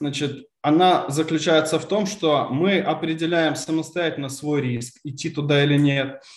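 A man's fairly high-pitched voice at a moderate pace, fairly even in intonation, with hardly any pauses. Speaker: energy business representative. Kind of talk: panel discussion. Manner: halting.

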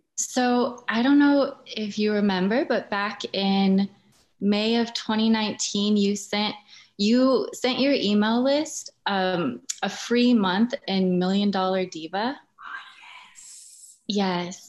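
A woman speaks at a very slow pace. Her pitch sits fairly high. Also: ordinary pitch variation, big swings in loudness. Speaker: doula and healer, business owner. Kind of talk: interview.

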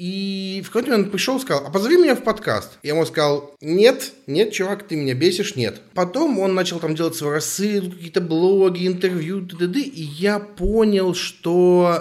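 A man speaks at a high pitch with ordinary pitch variation. His pace is moderate, and he hardly pauses. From Russia, Novgorod region. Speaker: podcast host, digital worker. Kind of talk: casual interview chat. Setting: home office.

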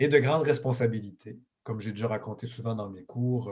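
The voice belongs to a man with a medium pitch. It has a dark, mellow tone. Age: 50s. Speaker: lecturer and former humanitarian worker. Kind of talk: interview. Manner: halting, many repetitions.

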